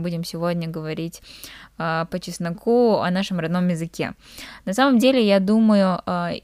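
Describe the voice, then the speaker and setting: Hesitant low-voiced woman podcaster. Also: darkish tone, clear, resonant tone, no room sound, studio quality. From Kazakhstan. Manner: hesitant, many filler sounds. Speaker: podcast co-host. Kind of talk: casual podcast talk. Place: living in England.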